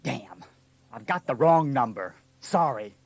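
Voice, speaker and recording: An actor playing a blunt, impatient radiology worker in a training-film skit. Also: male voice, mid-range voice, animated, measured pace, creaky, a little mellow, breathy edge, full character voice. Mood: deflated. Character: gruff, exasperated radiology worker in an emergency. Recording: very noisy old cassette with clicks.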